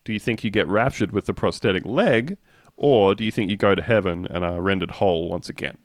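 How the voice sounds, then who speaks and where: Man, low-pitched, podcast co-host, rambling storyteller, dry close sound. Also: a little fast, no echo. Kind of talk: casual chat.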